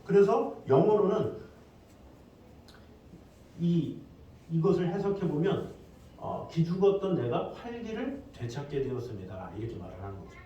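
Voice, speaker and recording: A middle-aged man preaching a sermon as pastor in a conversational way, with lively asides to the congregation. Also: on the high side, muffled recording. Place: church sanctuary. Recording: echoey hall, distant mic, faint noise.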